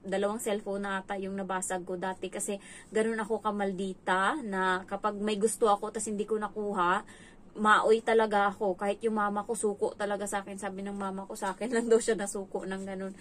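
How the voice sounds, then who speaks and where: A woman's voice: medium pitch, little pitch movement, fairly quick, slight background noise. A young woman from the Philippines working as a domestic helper abroad, telling her story to viewers in a candid, chatty way. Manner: candid, talks straight to viewers with frequent asides.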